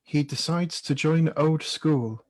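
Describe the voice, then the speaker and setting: A man's voice: a little high, takes it slowly, a little mellow. A man reading scripted scene-setting narration as the narrator of a staged reading.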